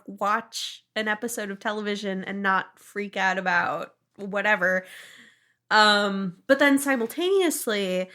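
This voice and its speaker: A woman co-hosting a podcast in casual chat, animated and self-deprecating, swearing freely. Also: medium pitch. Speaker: podcast co-host.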